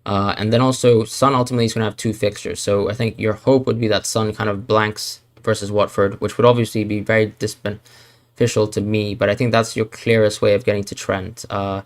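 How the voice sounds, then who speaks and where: A Hong Kong fantasy football streamer with a lowish voice and level tone speaks fairly quickly during a live Q&A. He works through chat questions by thinking aloud and hedging, with many fillers and restarts.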